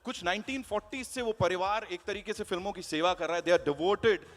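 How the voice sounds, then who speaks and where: High-pitched guy emceeing a launch, pumping up the crowd, big hall echo, music behind. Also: fairly quick. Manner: energetic, mixes Hindi and English. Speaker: event host. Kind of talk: emcee hyping a live crowd.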